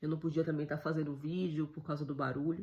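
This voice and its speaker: The speaker is a woman. Her pitch is fairly low. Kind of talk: devotional talk to camera.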